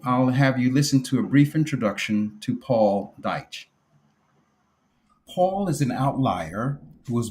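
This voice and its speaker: A man hosting an interview podcast, introducing his guest in a measured, formal way. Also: medium pitch. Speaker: podcast host.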